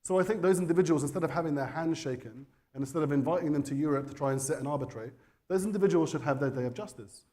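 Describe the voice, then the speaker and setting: A man on a conference panel makes his case firmly, pressing each point without backing down. His voice is mellow and dark in tone. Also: a little high, racing. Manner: forceful, insistent argument. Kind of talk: panel discussion. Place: conference hall.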